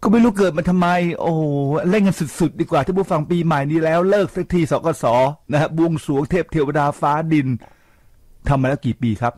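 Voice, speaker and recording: An older man talks to his radio listeners in a lively, preachy way, firing rhetorical questions at them. His voice is dark and mellow, and the studio sound is close and dry. He drops English words into his talk. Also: on the high side, fairly quick, no room sound. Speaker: radio host. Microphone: studio microphone.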